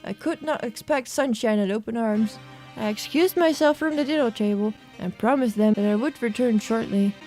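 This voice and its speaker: A woman plays a prim, long-suffering young lady in a visual novel. Her voice is very high, her phrasing formal and measured as she tells her tale. Faint music sits underneath. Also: a little mellow, natural voice, poor audio. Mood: earnest storytelling.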